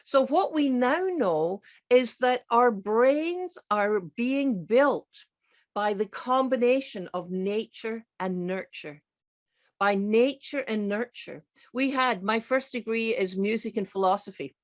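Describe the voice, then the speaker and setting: A woman's voice: on the high side, animated, slow. A middle-aged woman with a Scottish accent, giving an emphatic, enthusiastic conference talk as a psychiatrist who repeats her key words. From grew up partly in Scotland. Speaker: psychiatrist and keynote speaker. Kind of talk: conference presentation.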